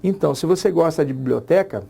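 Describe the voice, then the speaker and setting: A man's voice: fairly high pitch, lively intonation, fast, creaky, mellow, breathy edge. A middle-aged Brazilian man giving an exam-prep literature lesson, chatty, repeating key phrases and checking in with the class. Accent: Brazilian Portuguese. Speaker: literature teacher.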